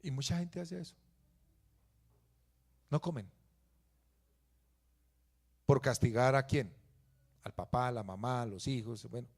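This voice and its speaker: Male pastor, mid-pitched, preaching with dramatic shifts between forceful emphasis and soft asides. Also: a little slow, pauses often. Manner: swings from loud emphatic peaks to low quiet asides. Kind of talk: sermon.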